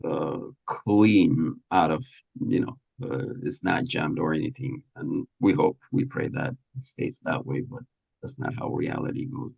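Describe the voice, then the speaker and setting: A man with a low, creaky voice gives explanatory interview answers. He speaks haltingly, pausing often to find the next word. The audio is dull and lo-fi. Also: fairly even intonation, darkish tone. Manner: halting, searching for words, many pauses. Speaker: radio station presenter and producer being interviewed.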